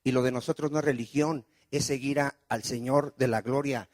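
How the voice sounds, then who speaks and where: A man's voice: medium pitch, steady tone, moderate pace, darkish tone, dry recording. A man preaching a sermon as pastor, often asking the congregation questions and calling for amens. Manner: preaching with call-and-response questions.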